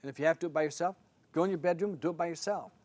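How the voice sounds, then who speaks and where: An older man with a slightly high voice gives a spiritual seminar, talking casually and telling anecdotes. He acts out little quoted lines. The sound is dry and close, with no room echo. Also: very fast, a little mellow. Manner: conversational, anecdotal, with acted-out quotes. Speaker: spiritual teacher. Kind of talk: seminar talk.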